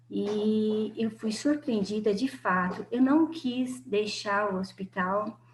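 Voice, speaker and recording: A woman at a very slow pace with hardly any pauses, fairly high in pitch with lively intonation, over noticeable background noise. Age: 60s. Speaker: nurse manager. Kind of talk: webinar talk.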